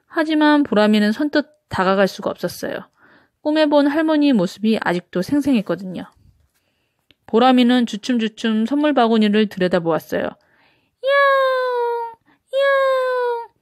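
High-voiced woman reading a storybook. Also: dry recording, clean studio sound. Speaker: storybook reader. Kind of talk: expressive read-aloud narration of a children's picture book.

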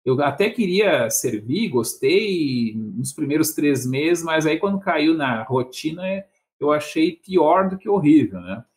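A man's voice: on the high side, animated, measured pace. A man in his fifties with a Porto Alegre accent, rambling and chuckling on a video call with a headset, often adding tag questions. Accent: Porto Alegre Brazilian Portuguese. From southern Brazil. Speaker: guest in a debate. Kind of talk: casual video call conversation.

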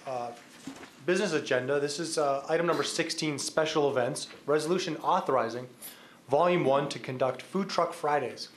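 A middle-aged American man presides over a formal council session. His voice is mid-pitched and procedural, picked up in a chamber with faint background noise. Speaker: council president chairing a meeting. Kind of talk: formal meeting facilitation. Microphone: desk microphone. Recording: background noise in meeting room.

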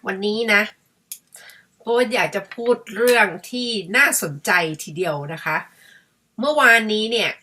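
A woman's voice: medium pitch, animated, measured pace, bright, forceful tone, a little hiss or hum. A middle-aged woman from Thailand chatting casually to her viewers in a musing, talkative way. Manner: chatty, musing, refers to herself by her own nickname. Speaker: vlogger. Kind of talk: casual chat to camera.

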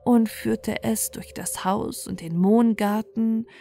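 A woman's voice: a little high, fairly even intonation, slow, creaky, mellow. A woman reading a scripted bedtime fairy tale as its narrator.

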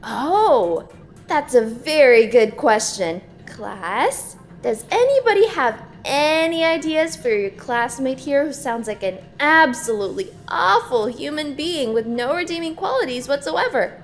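A woman's voice: high-pitched, sing-song, a little slow, faint music behind, full character voice. A woman playing a falsely cheery, cruel class instructor in an audio drama, gushing theatrically in a saccharine manner. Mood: gushing, mocking.

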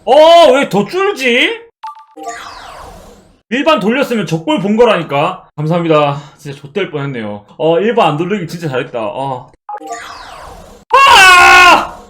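A young man streaming a mobile baseball game, who swears a lot and shouts at his card upgrades. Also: high voice, big pitch swings, moderate pace, soft background music. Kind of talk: live game streaming chat.

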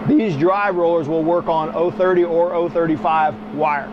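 A man's voice: on the high side, steady tone, normal speed, highs cut off, background noise. A middle-aged man giving a hands-on welding tutorial in a small workshop, blunt and folksy, working the machine as he talks. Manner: demonstrating at the machine while talking. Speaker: welding instructor.

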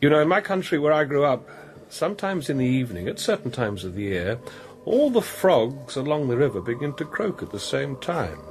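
An actor playing a tormented but gentle Catholic priest in a radio drama, speaking in a halting, intense and brooding way. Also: male voice, medium pitch, big pitch swings, slight background noise. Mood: gentle, musing. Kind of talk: radio drama acting, interior monologue and dialogue.

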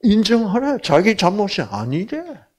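An older man giving a Bible lecture, telling a family story and acting out the quoted voices with big swings. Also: a little slow. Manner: animated, acts out quotes with big pitch jumps.

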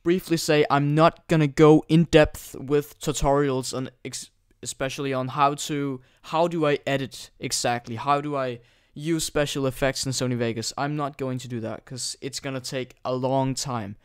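A man's voice: mid-range voice, steady tone, moderate pace, few pauses, smooth, no echo, clean studio sound. Teen boy with a put-on British accent. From Denmark. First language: Danish. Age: teens. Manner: rambling, joking and crude, with frequent restarts. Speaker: gaming YouTuber. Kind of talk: casual screen-recording tutorial commentary. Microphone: new desktop microphone.

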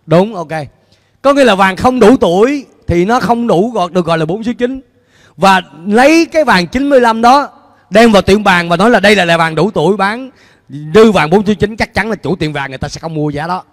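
A middle-aged man preaching a sermon as pastor on a church stage with a handheld mic, animated and putting questions to the congregation. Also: high-pitched, moderate pace. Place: church stage before a large screen, indoors. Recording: long hall reverb in a large church.

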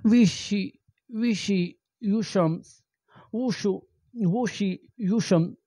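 Middle-aged guy teaching words slowly, lots of uhs and repeats, dark mellow voice, dry small room. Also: high-pitched, dry recording. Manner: halting, repeats phrases, many fillers. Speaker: language teacher. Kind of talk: amateur language lesson. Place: small indoor room with green backdrop. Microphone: handheld microphone.

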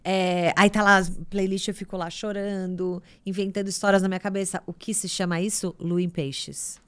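Brazilian woman guest, middle pitch, expressive and theatrical in casual talk. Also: moderate pace, smooth. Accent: Brazilian Portuguese. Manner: expressive and dramatic, jumps into high exclaimed bits. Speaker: podcast guest. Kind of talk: casual chat.

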